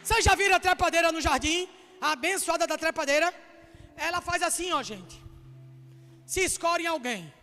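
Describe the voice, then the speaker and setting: A woman preacher with a Northeastern Brazilian accent, giving a jokey, chatty sermon that bursts into shouts. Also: very high voice, animated, normal speed, long reverb tail, some chatter behind. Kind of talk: lively humorous sermon. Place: church hall.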